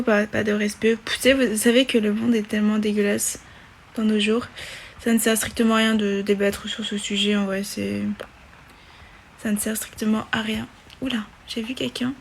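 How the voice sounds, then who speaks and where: A woman's voice: mid-range voice, level tone, moderate pace, long pauses, slight background noise. A woman in her twenties hosting a casual live stream on her phone, reading viewer questions aloud and chatting back with many fillers and restarts. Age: 20s.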